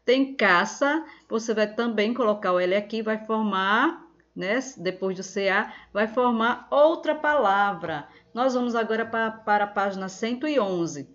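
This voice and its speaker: A Brazilian woman teacher explaining a lesson to young children slowly and patiently, checking in often. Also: medium pitch, a bit bright, muffled recording. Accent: Brazilian Portuguese. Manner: slow, patient, repeats each step with "certo?". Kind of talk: recorded remote class for young children. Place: at home, phone nearby.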